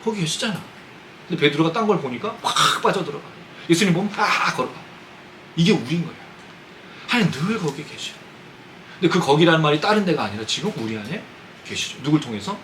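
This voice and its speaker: Lively Korean pastor preaching. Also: male voice, on the high side, fast, pauses often, background noise. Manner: conversational preaching, asks the congregation questions. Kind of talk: sermon. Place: church sanctuary.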